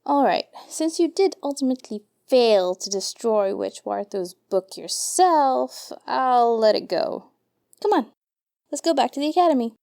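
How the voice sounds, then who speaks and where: Woman as a creaky, animated bossy schemer. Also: on the high side, a little slow, dry recording, studio quality. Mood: grudging. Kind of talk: fantasy audio drama acting.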